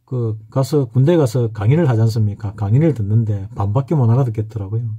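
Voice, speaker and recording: A man's voice: medium pitch, fast, dark tone, breathy edge, lo-fi sound. A middle-aged man with a Gyeongsang Korean accent, giving a rambling, anecdotal lecture as a fortune-telling instructor. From Gyeongsang region, South Korea. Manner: rambling, anecdotal, frequent hesitations. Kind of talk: casual lecture.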